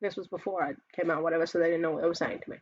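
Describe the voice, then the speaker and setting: A man's voice: on the high side, fairly even intonation, very fast, husky, no room sound, highs cut off. An Australian trans man with a feminine-sounding voice, ranting casually while reacting to memes, swearing often and rambling between sighs and laughs. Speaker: reaction video host.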